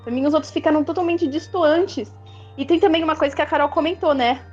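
A high-voiced Brazilian woman co-hosting a livestream, giving firm, critical opinions and explaining them at length. The audio is dull and lo-fi, with faint music underneath. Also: quick pace. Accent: Brazilian Portuguese. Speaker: co-host. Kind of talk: casual livestream chat.

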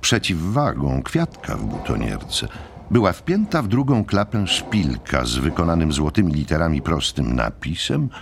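A man narrating an audiobook drama with measured, deliberate phrasing. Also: rumbling low, very animated, vocal fry, slight background noise.

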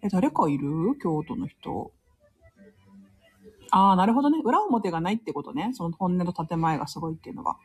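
A woman's voice: fairly low pitch, expressive, normal speed, darkish tone, breathy edge. A woman hosting a casual live stream, chatting, laughing often and reading listener comments aloud.

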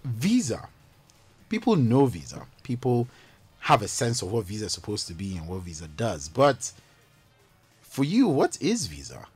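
A man hosting a radio talk show from the studio, energetic and playful, asking rhetorical questions. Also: on the low side, normal speed, husky, no room sound, soft background music. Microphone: studio mic.

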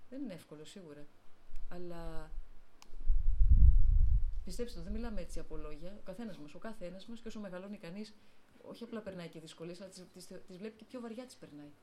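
An abbess of a convent, a middle-aged woman appearing as a guest speaker, talks about faith through spontaneous personal anecdotes and voices the people in them. Her voice is on the low side, with background noise behind it.

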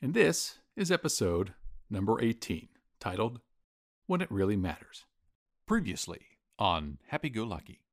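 A man's voice: on the low side, very animated, moderate pace, no room sound, studio quality. A middle-aged man narrating and explaining as a podcast game master.

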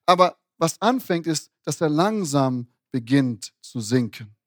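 A man's voice: a little high, animated, a little slow, fairly bright tone, no room sound. Chatty, dry-sounding male preacher. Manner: conversational, many restarts and tag questions. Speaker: pastor. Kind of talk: sermon.

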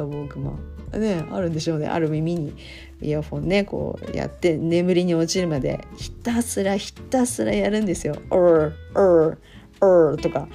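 A middle-aged woman talks through a relaxed English lesson, her voice swinging widely up and down as she chats. She laughs easily and drills short phrases again and again. Soft music plays faintly behind her. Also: lowish voice. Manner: chatty and animated, laughs often, drills phrases over and over. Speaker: English teacher and podcast host. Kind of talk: casual spoken English lesson.

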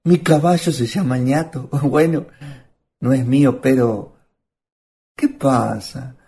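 A woman's voice: rumbling low, slow pace, dark tone, full character voice. A woman acting a shy, good-natured young countryman in a radio drama, with a Chilean accent and folksy speech. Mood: bashful. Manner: folksy, bashful.

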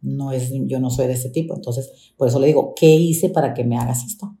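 A woman's voice: rumbling low, a little fast. A Mexican woman, a domestic worker, telling her story in an interview and acting out the dialogue as she goes. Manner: animated retelling, acts out quoted dialogue. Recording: roomy echo.

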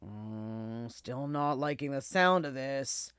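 A woman voicing a weary, toothless old male dog in a children's storybook, slow, sighing and grumbling. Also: rumbling low, expressive, fairly bright tone, clear, resonant tone, dry recording, studio quality, full character voice. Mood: suspicious, grumbling.

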